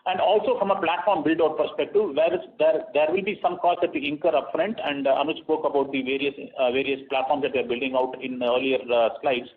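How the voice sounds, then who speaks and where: A man presents quarterly financial results over a conference call. He speaks in a measured way, with frequent "uh" fillers and restarts. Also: a little high, steady tone. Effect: heard over a conference call line. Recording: tinny phone-line conference call audio.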